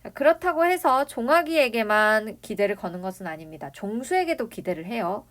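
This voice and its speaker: A woman's voice: fairly high pitch, expressive, a little fast, a bit bright. A woman teaching a literature lesson, explaining a novel and asking rhetorical questions. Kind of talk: classroom lecture on a novel.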